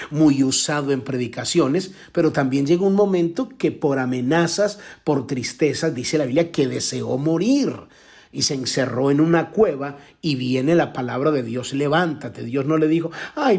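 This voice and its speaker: An older male pastor delivering a devotional sermon, with impassioned preaching that breaks into sudden high, drawn-out cries. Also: gravelly, darkish tone, slightly rough.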